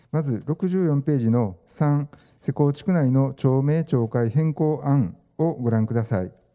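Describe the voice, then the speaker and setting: Over a quiet background, a man speaks at a fairly slow pace in a dark, mellow tone. His pitch is fairly high, with ordinary pitch variation. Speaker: city government department head. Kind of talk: formal official explanation. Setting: council committee room. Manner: formal. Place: meeting room. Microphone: podium.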